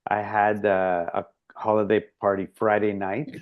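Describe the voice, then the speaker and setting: A man co-hosting a casual podcast over a video call, telling animated, profane stories about a party he worked. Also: on the low side, a little slow, phone-quality sound. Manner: animated storyteller, swears freely. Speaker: podcast co-host.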